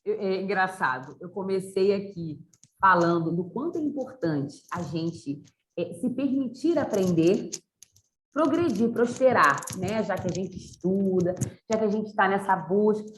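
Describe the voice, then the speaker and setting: A woman's voice: mid-range voice, expressive, measured pace. Chatty woman teacher in an echoey room. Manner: chatty, encouraging, uses many fillers. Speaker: university teacher. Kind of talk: online class discussion. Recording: echoey room with faint noise.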